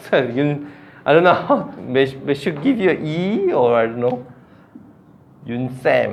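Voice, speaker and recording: In a Korean accent, a man with a fairly high voice speaks at a fairly slow pace with ordinary pitch variation and long, frequent pauses, and the room echo is audible. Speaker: Korean language teacher. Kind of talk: online class lesson. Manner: halting.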